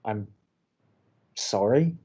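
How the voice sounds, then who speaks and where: A man's voice: on the low side, expressive, drawn-out words, darkish tone, breathy edge, dull audio, exaggerated voice. A young man acting as a sarcastic, easily exasperated college radio co-host in an audio romantic comedy. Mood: exasperated, baffled. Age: young adult. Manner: dry, sarcastic.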